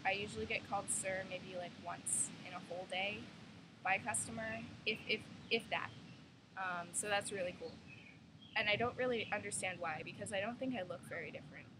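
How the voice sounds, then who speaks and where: A young trans man talking casually and rambling to a webcam outdoors, with lots of "like" fillers. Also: sits high. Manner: chatty, rambling, many "like" fillers. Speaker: vlogger. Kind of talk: casual video diary. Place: outdoors in a sunny yard by a stone wall. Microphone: webcam at arm's length. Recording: webcam audio with clear outdoor noise.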